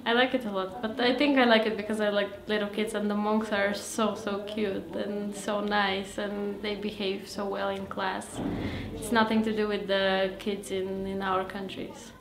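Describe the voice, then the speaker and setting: A woman's voice: mid-range voice, little pitch movement, normal speed, a crowd in the background. A young woman from Bulgaria, chatting frankly and with easy amusement as a volunteer English teacher in a documentary interview. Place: plain room indoors. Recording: echoey room.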